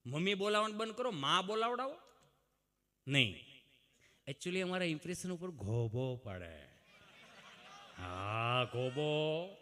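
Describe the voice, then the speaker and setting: A man telling a folksy comedy monologue on stage, preaching to the audience and breaking into mock shouts and sung lines. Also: fairly high pitch, slight background noise. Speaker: comic storyteller. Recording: long hall reverb.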